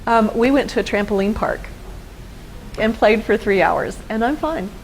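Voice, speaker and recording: A woman's voice: mid-range voice, moderate pace, a little hiss or hum, poor audio. A woman in her fifties from Texas, a guest telling her own story earnestly in a studio interview. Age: 50s. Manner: earnest storytelling, acts out quoted dialogue. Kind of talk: personal testimony in a studio interview.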